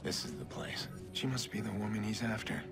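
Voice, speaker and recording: Brooding game vigilante, very low gravelly voice, terse and grim, music underneath. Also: male voice, lively intonation, brisk. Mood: focused, menacing. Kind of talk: video game voice acting, inner monologue.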